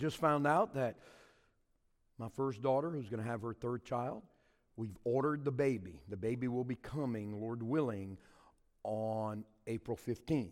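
With a Southern US accent, a man speaks at a fairly slow pace and medium pitch, showing ordinary pitch variation and long, frequent pauses. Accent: Southern American. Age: 50s. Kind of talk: sermon. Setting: church.

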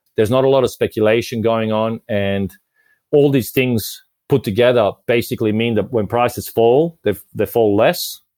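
A man speaks with an Australian accent and fairly even intonation. The recording is very clean, dry and close, with a silent background, no echo and very even loudness. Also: medium pitch for a man, moderate pace. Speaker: real estate investor. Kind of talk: interview.

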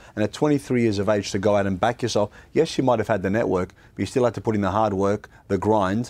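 A man with an Australian accent talks at a very fast pace, his pitch fairly low and his intonation fairly even. His loudness stays very even on a very clean recording with a silent background. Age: 40s. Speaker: podcast host. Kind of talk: interview.

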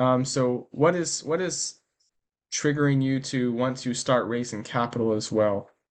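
At a fairly slow pace, a man with an ordinary speaking voice talks at medium pitch with ordinary pitch variation. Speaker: podcast host. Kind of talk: casual interview.

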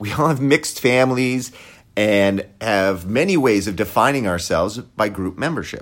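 In an American accent, this is an ordinary speaking voice with lively intonation at a moderate pace. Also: man, medium pitch for a man. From Wisconsin. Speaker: podcast host. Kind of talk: monologue commentary.

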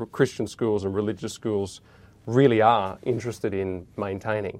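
Moving at a fairly quick pace, a man talks with an Australian accent. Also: quiet background. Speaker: news commentator. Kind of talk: indignant political commentary, a pointed rant on school freedom and hidden agendas. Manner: emphatic, insistent, repeating phrases for punch, with moral outrage.

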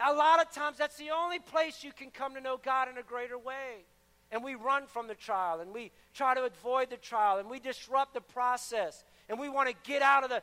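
With a bright, sharp tone and an extremely high pitch, a man speaks in a raised, projected voice at a fairly quick pace, showing big swings in loudness and ordinary pitch variation. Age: 40s. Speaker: pastor. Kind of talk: sermon.

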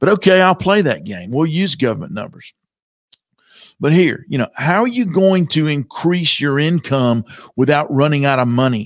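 Speaking in a Southern US accent, a man with a fairly high pitch talks at a moderate pace, his tone animated and his intonation lively. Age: 50s. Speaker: investment advisor hosting a radio show. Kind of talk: radio talk show monologue. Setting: studio. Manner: loud.

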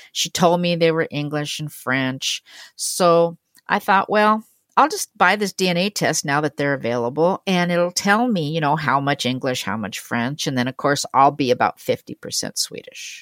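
The sound is dry and close with no echo, and the recording is very clean over a silent background. A woman speaks at a moderate pace with lively intonation and a very deep, low pitch. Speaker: podcast guest sharing family story. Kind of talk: personal testimony.

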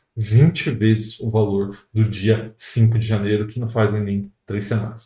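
With flat, monotone intonation, a man speaks in a fairly low, dark, mellow voice that is somewhat breathy. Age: 30s. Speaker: finance podcaster. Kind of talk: educational monologue. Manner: casual, frequent filler tags.

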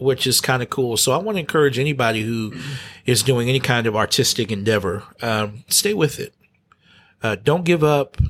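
A man with an American accent and an unremarkable speaking voice talks at a medium pitch and a fairly quick pace. The recording is very clean, with a silent background. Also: lively intonation. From Dallas, Texas. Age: 40s. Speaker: choral composer and high school choir director. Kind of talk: casual interview.

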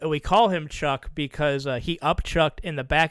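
A man with a normal speaking voice and an American accent talks at a moderate pace and a fairly high pitch. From US South, southern Louisiana. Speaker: podcast host. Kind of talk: casual chat.

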